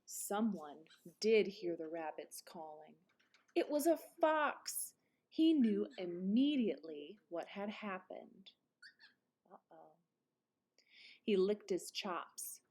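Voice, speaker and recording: A woman reading a children's picture book aloud like a teacher, with dramatic emphasis and quieter explanatory asides. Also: medium pitch, expressive, slow pace. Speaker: read-aloud presenter, teacher. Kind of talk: expressive children's storybook narration with explanatory asides.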